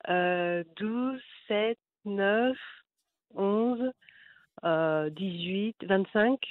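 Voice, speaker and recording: A thin, narrow telephone line carries a woman calling a phone-in. She talks informally and haltingly, doubling back on her words. Her pitch is average, with no room echo behind it. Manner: hesitant, breaks off and repeats words. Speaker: caller to a phone-in show. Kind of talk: informal personal storytelling.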